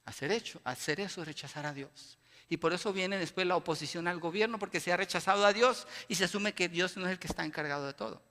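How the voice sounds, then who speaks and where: High-voiced, bright preacher man. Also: quick pace. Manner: impassioned, emphatic preaching with rhetorical questions. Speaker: pastor. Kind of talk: sermon. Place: church sanctuary. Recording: long church reverb.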